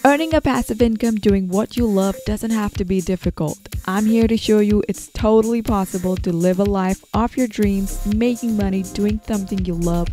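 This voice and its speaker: A woman's voice: medium pitch, normal speed, hardly any pauses, mellow, soft background music. A woman hosting a podcast who reads an upbeat intro and asks interview questions. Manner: upbeat, enthusiastic. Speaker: podcast host.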